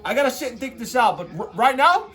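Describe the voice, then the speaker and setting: A man talking like an excitable frat bro, hosting a casual, off-the-cuff sports reaction full of slangy asides. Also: very high voice, fast talker. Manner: excitable frat-bro talk, heavy on "bro" and "dude". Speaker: host reacting to a tournament bracket.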